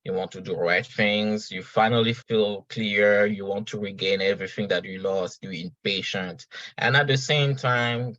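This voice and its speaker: A man's voice: lowish voice, steady tone, normal speed, a bit bright, dry recording, highs cut off. A man, a podcast guest talking earnestly and reflectively at an uneven pace. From Senegal. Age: 30s. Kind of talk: casual conversational interview.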